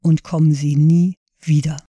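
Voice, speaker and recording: A young woman confronting the father who left her, her voice quiet and firm, as a woman reads her lines. The sound is dry and close. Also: deep voice, level tone, a little slow, husky, dry recording.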